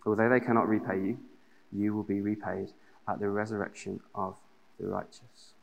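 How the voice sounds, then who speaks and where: A man's voice: on the low side, flat delivery, moderate pace, creaky. A young man with a Black Country accent from the West Midlands, reading scripture and then telling chatty, self-deprecating stories in a sermon. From West Midlands, England. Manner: chatty, self-deprecating humour with many fillers. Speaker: preacher. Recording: long hall reverb.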